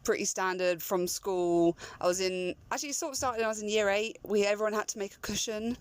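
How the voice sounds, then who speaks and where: A woman's voice: medium pitch, quick pace. A young woman, a fashion label founder, talking as a guest in a casual chat with many ums and likes. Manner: chatty, laughs often, many ums and likes. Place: inside a car. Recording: road noise inside a car.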